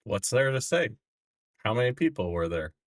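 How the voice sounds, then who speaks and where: A man playing a weary, resigned prisoner adventurer in a tabletop game, confessing bluntly and haltingly. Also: medium pitch, big pitch swings, no echo, studio quality, lightly acted.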